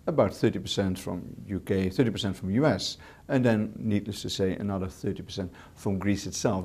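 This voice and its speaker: With a warm voice on the low side and a Dutch accent, a man who manages a hotel responds to interview questions in non-native English. His delivery is measured, marked by fillers and repeated words.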